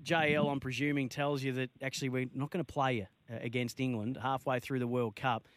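A man's voice: mid-range voice, flat delivery, fairly quick, dry recording. Aussie guy hosting a sports talkback show, medium voice, close dry mic. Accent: Australian. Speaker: sports radio host. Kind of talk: live talkback sports radio presenting. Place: radio studio. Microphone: close studio microphone.

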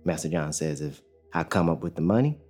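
An actor in an audio drama playing a young enslaved father who talks in a calm, plainspoken drawl. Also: very deep voice, fairly quick, faint music behind. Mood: steady. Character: young enslaved male father, steady and hopeful.

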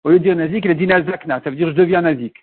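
A man's voice: a little high, racing, slightly rough. A man teaching a Talmud class, explaining step by step and mixing in Hebrew and Aramaic terms. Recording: tinny phone-like recording.

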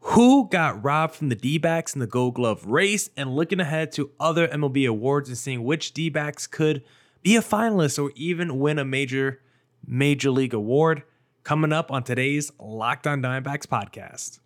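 A young man hosting a solo sports podcast, his voice a little hoarse. He talks with excitement, leaning on "like" and "I mean.". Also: mid-range voice, moderate pace. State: slightly hoarse from screaming. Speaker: podcast host.

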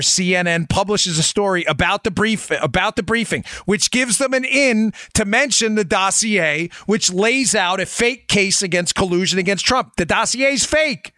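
A man's voice: high voice, pushed and bright, no echo, studio quality. A man hosting a political talk show in an emphatic, insistent monologue, firing rhetorical questions at his listeners.

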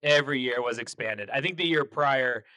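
A man's voice: medium pitch, normal speed, bright, forceful tone, no echo, poor audio. A man co-hosting a podcast in casual chat, joking and laughing often, with plenty of fillers and restarts. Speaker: podcast co-host.

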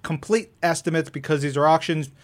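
A man co-hosting a podcast, chatting casually and briskly running through news and event schedules. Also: fairly high pitch, steady tone. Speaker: podcast co-host. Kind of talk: casual chat reading show news.

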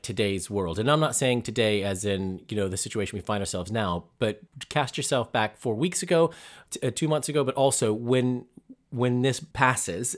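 A man with an American accent hosting a casual interview, asking long, rambling questions with restarts. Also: medium pitch. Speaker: interview host. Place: London.

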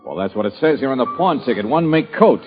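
A man's voice: medium pitch, lively intonation, quick pace, music in the background, close to an everyday voice. An actor playing a tough, sardonic American male private detective, wisecracking and needling in an old-time radio drama. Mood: sardonic, pressing. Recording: dull, echoing old radio recording.

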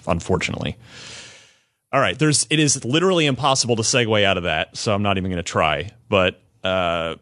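A man hosting a casual gaming podcast, talking with his co-hosts and often halting and restarting mid-sentence. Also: sits low, no room sound, studio quality. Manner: somber and halting, then lively and animated. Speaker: podcast host.

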